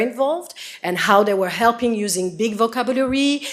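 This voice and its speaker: A woman speaks in a French accent with ordinary pitch variation. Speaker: parent speaking at public comment. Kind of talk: public comment at school board meeting. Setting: school board meeting room. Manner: hesitant, with fillers.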